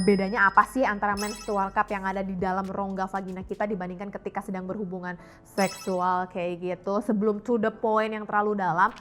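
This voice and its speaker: Give the voice of a young woman vlogging in a frank, chatty way. Her pitch sits in an ordinary female range, and she slips English phrases into casual talk. Music plays behind her. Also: a bit bright. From Indonesia, mixed European and Indonesian family. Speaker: YouTube health and fitness vlogger. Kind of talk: candid casual vlog talk to viewers.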